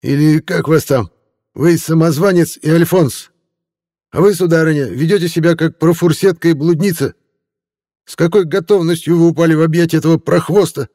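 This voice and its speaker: A man's voice: on the high side, normal speed, mellow, pitched above the performer's own voice, close to an everyday voice. A man voicing a tipsy, insolent newspaper reporter who slurs and mocks in old-fashioned phrases. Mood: slurred insulting. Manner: slurring, mocking, pompous old-fashioned phrasing. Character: drunken, insolent young male newspaper reporter.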